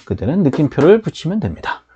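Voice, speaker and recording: A man's voice: on the high side, very animated, fast talker, dark tone, slightly rough. A man teaching a beginner English grammar lesson, leading students through call-and-repeat drills.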